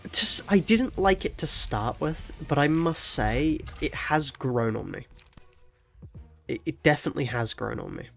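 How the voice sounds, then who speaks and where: A young man with a heavy cold talks through a live stream, his voice nasal and blocked up with a gravelly fry underneath. He keeps his volume down and the energy low, laughing quietly and swearing at the game, while faint game music plays behind him. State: stuffy nose from a cold. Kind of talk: casual live-stream chat while playing.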